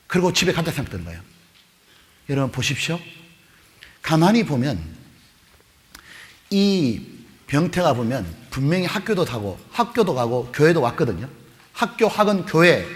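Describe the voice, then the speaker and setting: A man preaching to a youth retreat, telling a story with animated voices for the mother and the kids. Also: a little high. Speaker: pastor. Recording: long hall reverb.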